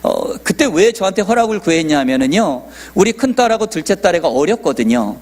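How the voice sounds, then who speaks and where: A man's voice: sits high, very animated, fairly quick. A man in his forties, a pastor telling a personal testimony in a sermon and acting out dialogue. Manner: storytelling, acting out quoted dialogue.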